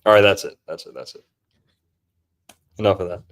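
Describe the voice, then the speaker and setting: A man's voice: low voice, fairly quick. A young man hosting a podcast, joking and mocking as he comments over a film on a video call. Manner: joking, mocking, slips into put-on impressions. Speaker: podcast host.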